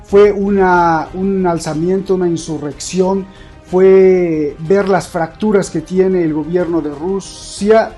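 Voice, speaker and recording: A man's voice: sits high, fairly even intonation, takes it slowly, warm tone, soft background music. A male host opening a news analysis show who throws a long string of questions at his guest. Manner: asks a long run of rhetorical questions.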